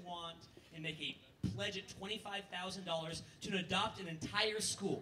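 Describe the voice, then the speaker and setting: Raising and projecting his high voice, a man speaks over noticeable background noise. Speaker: gala auctioneer. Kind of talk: charity auction appeal. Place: hall.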